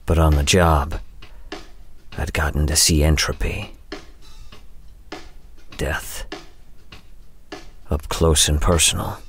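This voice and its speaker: A man's voice: rumbling low, little pitch movement, slow, pauses often, slight background noise, exaggerated voice. An actor playing a world-weary older man, brooding and wry, in a noir audio drama monologue.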